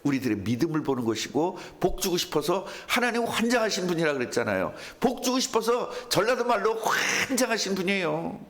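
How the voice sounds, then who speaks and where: A man's voice: high voice, brisk, few pauses. A male pastor preaching a sermon, telling stories and acting out the voices of the people in them. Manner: animated storytelling with acted quotes.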